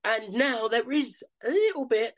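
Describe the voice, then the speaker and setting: A man with an East London accent, his voice pitched notably high for a man. He co-hosts a casual sports podcast with laid-back, matey banter. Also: animated, measured pace, a bit bright. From East London, England. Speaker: podcast co-host. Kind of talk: casual boxing podcast chat.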